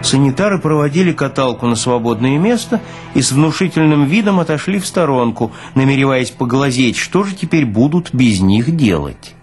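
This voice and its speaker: Animated male literary narrator over music. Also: mid-range voice, normal speed. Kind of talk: expressive literary audiobook narration.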